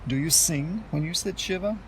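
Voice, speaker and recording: A man acting in an audio drama as a devout, reassuring Irish Catholic mourner, explaining things gently in a conversational way. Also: fairly high pitch, moderate pace, slight background noise, lightly acted, low-quality recording. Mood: encouraging.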